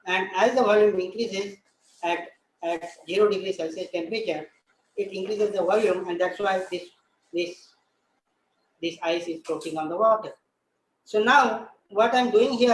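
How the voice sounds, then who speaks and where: A man with an Indian accent hosts a live science demonstration, explaining deliberately and repeating his phrases and questions. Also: sits high. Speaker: science show host. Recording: echoey room, faint background noise.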